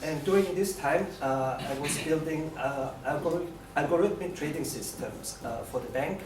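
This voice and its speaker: A young man with an Austrian accent gives a live technical presentation in a halting, hesitant way. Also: a little high. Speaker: bootcamp graduate presenting a project. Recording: echoey room, distant mic, noisy.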